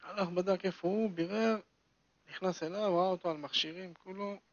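A man's voice: high voice, fairly even intonation, dry recording, lo-fi sound. A man teaching a religious lesson to a small group, telling a story with emphatic repetition.

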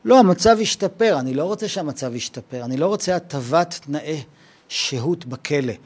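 A Torah teacher delivers a Passover lesson on the Exodus from Egypt, speaking in a loose, slangy, conversational style. He's animated, repeatedly breaking into imagined conversations and voicing both parties himself. His voice is slightly high for a man and has a breathy edge.

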